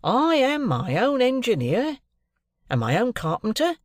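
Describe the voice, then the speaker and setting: A man voicing a cheerful, proud middle-aged male clerk, talking brisk and earnest in a raised voice. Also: very high-pitched, huge pitch swings, no echo, clean studio sound, pitched above the performer's own voice, exaggerated voice.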